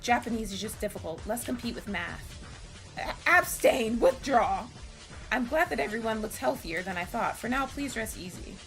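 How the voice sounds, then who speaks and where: A woman reading game dialogue aloud, voicing bantering, earnest anime visual-novel students in a theatrical, expressive way. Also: a little high, moderate pace, soft background music.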